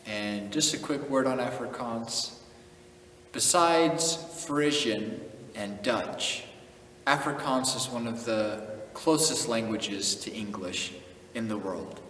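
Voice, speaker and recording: Slow-talking man in an echoey room. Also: medium pitch, a bit bright, recorded from a distance. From United States. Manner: laid-back, chuckling, drops in Afrikaans phrases. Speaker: channel host. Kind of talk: casual vlog talk. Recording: echoey room, voice from off-mic, faint noise.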